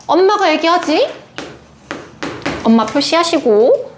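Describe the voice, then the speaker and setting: Animated high-pitched woman teacher. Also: slow, slight background noise. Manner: animated, acts out quoted lines. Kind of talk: classroom lecture.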